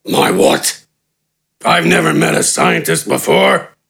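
A narrator voicing a hulking male brute who is gruff, blunt and easily irritated. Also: mid-range voice, expressive, takes it slowly, fairly bright tone, heavily acted. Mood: grumbling.

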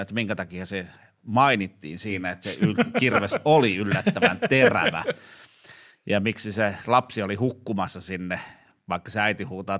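A man with a somewhat low voice chatting on a podcast. He is animated and laughs easily, telling his stories with enthusiasm. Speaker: podcast co-host, parent. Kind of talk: casual chat.

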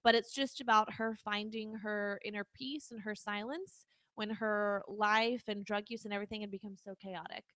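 A woman's voice: mid-range voice, steady tone, normal speed, fairly bright tone, no room sound. A woman co-hosting a podcast, chatting casually about movies with playful teasing and the odd swear word. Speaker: podcast co-host.

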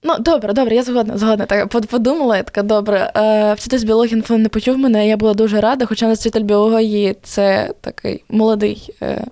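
A woman's voice: medium pitch, quick pace, hardly any pauses, dry recording. A teenage girl from Ukraine, a podcast guest chatting casually and telling stories with lots of fillers. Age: teens. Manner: chatty, lively storytelling with many fillers.

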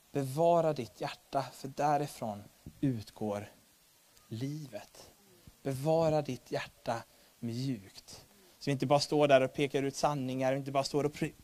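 A man preaching a sermon, animated and humorous, rising to loud emphasis. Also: a little high.

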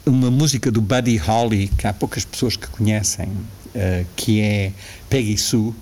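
A man's voice: lowish voice, fairly even intonation, measured pace. A man in his sixties with a European Portuguese accent, talking reflectively as an interview guest, often restarting his sentences. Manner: reflective, frequent restarts and soft laughs. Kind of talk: casual interview conversation.

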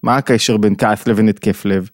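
A man with a lowish, steady voice teaches a reflective lesson as a lecturer on Jewish thought, recorded in clean studio sound with no room noise. He asks his listeners questions and acts out the voices of the people he cites.

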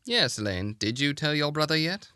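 An actor playing a pompous, theatrical, mocking detective in an audio drama. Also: male voice, on the high side, sing-song, normal speed, sharp tone, dry recording, clean studio sound.

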